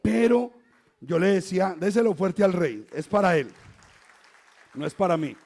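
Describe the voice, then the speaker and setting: A middle-aged Colombian man with a softened Colombian Spanish accent, preaching a sermon that swings from quiet asides to loud emphatic exhortation. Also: high voice, lively intonation, normal speed, gravelly, a faint crowd. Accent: Colombian Spanish, softened toward neutral. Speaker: pastor.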